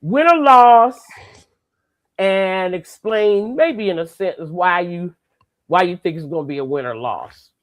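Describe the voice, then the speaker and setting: A woman's voice: lowish voice, lively intonation, unhurried. A woman giving blunt, opinionated takes in a casual sports chat show. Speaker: segment guest commentator.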